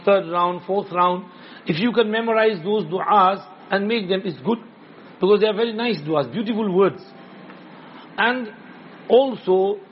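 High-pitched South Asian man teaching religion. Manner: repetitive, instructive, with frequent check-in questions. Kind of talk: informal religious lesson with question and answer. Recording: dull lo-fi sound with background noise.

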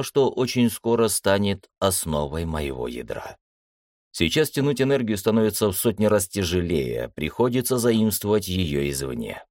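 A man with a very low, deep voice reads a fantasy novel aloud in the first person. His delivery is steady and measured, carrying a tense inner monologue. The sound is dry and close, with no room around it. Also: no echo. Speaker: audiobook narrator. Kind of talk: first-person audiobook narration.

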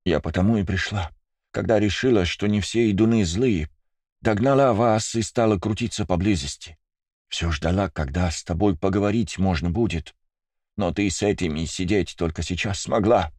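A man voicing a timid young girl with rabbit ears, speaking in a hushed, hesitant whisper. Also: sits low, normal speed, no room sound, clean studio sound. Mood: confiding.

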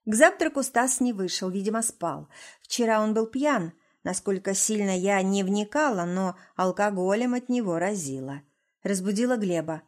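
A woman narrating a novel in the first person in a steady, measured way. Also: mid-range voice. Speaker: audiobook narrator.

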